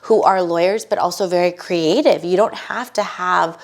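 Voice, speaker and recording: A woman from the United States, a guest on a podcast, talking in a casual, animated and emphatic way with many quick asides. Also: fairly low pitch. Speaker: podcast guest, bridal fashion entrepreneur. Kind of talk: casual conversational interview.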